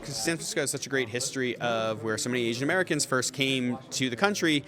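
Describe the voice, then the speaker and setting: A man of medium pitch gives conversational interview answers. He talks quickly as a show creator. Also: faint music behind. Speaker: animated series creator being interviewed.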